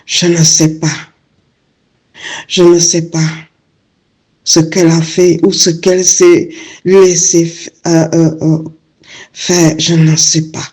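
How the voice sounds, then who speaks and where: A woman's voice: lowish voice, little pitch movement, slow, pauses often, darkish tone, husky. A woman giving a prayerful testimony, hesitant and full of fillers as she searches for words.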